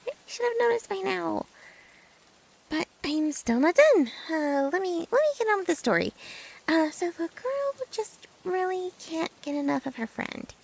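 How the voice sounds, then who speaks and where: Woman acting high-pitched, flustered lovesick yandere girlfriend type. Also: very animated, vocal fry, darkish tone, exaggerated voice, rough recording. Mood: defensive, nervous. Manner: halting, stammering, flustered, defensive confession. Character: nervous lovesick yandere young woman, obsessive best friend. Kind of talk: ASMR roleplay.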